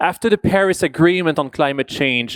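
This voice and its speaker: Recorded very cleanly against a silent background, with a dry, close sound and no echo, a man speaks at a moderate pace with lively intonation. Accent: French. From France. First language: French. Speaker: conference speaker on hydrogen policy. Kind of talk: conference presentation.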